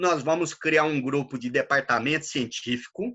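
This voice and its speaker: The voice is an unremarkable speaking voice from a man. He goes at a fairly slow pace with ordinary pitch variation. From Brazil, interior of Goiás. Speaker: emergency physician and teacher. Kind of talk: lecture. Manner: casual, informal.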